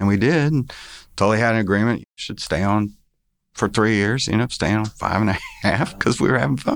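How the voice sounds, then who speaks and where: Lively intonation and a fairly quick pace come from an ordinary speaking voice. Its background is silent on a very clean recording. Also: man, fairly low pitch for a man. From Texas, Dallas. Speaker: business owner. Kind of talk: interview.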